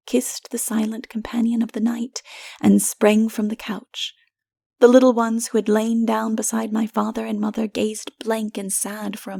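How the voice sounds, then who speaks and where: A woman narrating literary fantasy as a dramatic audiobook, expressive and theatrical, sometimes dropping to hushed phrases. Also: on the high side, vocal fry, no echo, studio quality.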